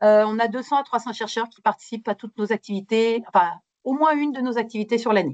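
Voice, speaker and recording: At a fairly high pitch, a woman speaks fairly quickly with ordinary pitch variation, the sound dry and close with no echo. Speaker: research outreach project coordinator. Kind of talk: webinar presentation. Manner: fast; hesitant, many fillers.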